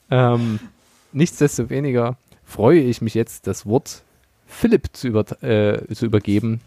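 A man's voice: mid-range voice, warm tone, dry recording. A man hosting a casual podcast with two friends, teasing and chatty as he moderates. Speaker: podcast host.

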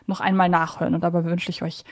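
A woman's voice: fairly low pitch, little pitch movement, quick pace. Woman hosting a conversational podcast. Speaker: podcast host.

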